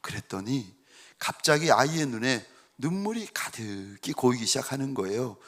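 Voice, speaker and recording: Lively storytelling male pastor. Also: medium pitch, normal speed. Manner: storytelling, shifting between narration and quoted voices. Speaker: senior pastor. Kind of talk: sermon. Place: church sanctuary.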